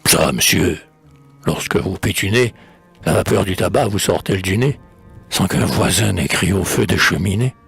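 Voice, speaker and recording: An actor playing a proud, witty, mocking swordsman in a hammy, theatrical verse recitation, with a husky, gravelly voice. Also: low voice, moderate pace, a bit bright, full character voice. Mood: playful, theatrical. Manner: hammy stage-actor declamation, switching tones with relish. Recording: music playing under the voice.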